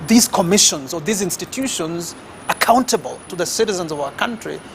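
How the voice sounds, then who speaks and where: Kenyan male guest expert, high voice, measured and formal delivery. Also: animated, creaky, slight background noise. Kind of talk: studio talk show discussion.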